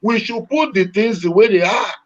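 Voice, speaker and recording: A man's voice: high voice, normal speed. A man arguing insistently on a call, lecturing the others. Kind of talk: heated argument. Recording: dull lo-fi call audio.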